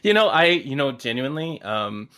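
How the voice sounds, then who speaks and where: A man's voice: mid-range voice, big pitch swings, moderate pace, a bit bright. A man hosting a podcast in casual conversation, rambling and candid with lots of filler words. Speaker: podcast host.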